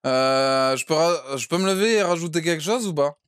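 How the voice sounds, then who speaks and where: Man, roleplay streamer, slangy, cheeky, fairly high voice, dry sound. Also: moderate pace, a bit bright, smooth, no echo. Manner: slangy, cheeky, laughs often. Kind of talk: in-character roleplay chat.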